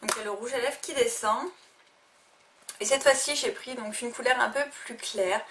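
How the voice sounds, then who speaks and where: A woman's voice: a little high, fairly even intonation, normal speed. A young woman casually reviewing makeup she bought, talking hesitantly with many fillers and restarts. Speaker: beauty vlogger. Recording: faint noise, a little distant from the mic.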